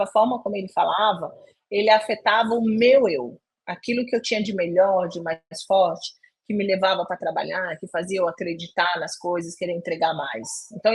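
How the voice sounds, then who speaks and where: At a leadership webinar, a middle-aged woman with a medium-pitched, slightly breathy voice animatedly recounts a story from her working life, acting out the quoted dialogue as she goes.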